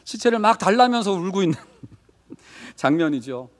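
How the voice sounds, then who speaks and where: A male pastor preaches a Wednesday sermon in a slightly high, very animated voice, with his pitch rising and falling freely. He talks with the congregation, asks them questions and briefly acts out quoted lines. The sound rings with the long reverb of a church sanctuary. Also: normal speed.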